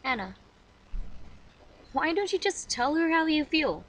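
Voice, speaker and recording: A subdued young girl, acted by a woman, speaks tenderly in an audition piece. The voice is high and hushed, with slow, careful phrasing. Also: very animated, recorded from a distance. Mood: encouraging.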